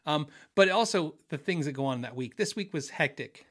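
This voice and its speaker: A man's voice: a little high, expressive, normal speed. A middle-aged man hosting a casual livestream from his home office, rambling and restarting as he reads out viewer messages. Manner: rambling, restarts often, many fillers. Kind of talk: casual chat.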